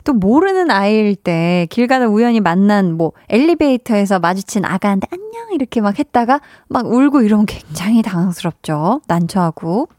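A woman's voice: mid-range voice, lively intonation, normal speed, few pauses, a little mellow, dry recording, studio quality. A woman hosting a radio show in a chatty way, laughing often as she reads out listener messages. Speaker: radio host.

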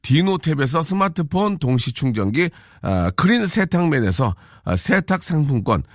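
A man hosts a radio show in easy, joking talk, reading out listener messages and sponsors. His pitch swings widely and he bursts out loud now and then. The studio sound is close and dry. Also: big pitch swings, moderate pace, no echo. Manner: playful, joking asides, sudden loud outbursts.

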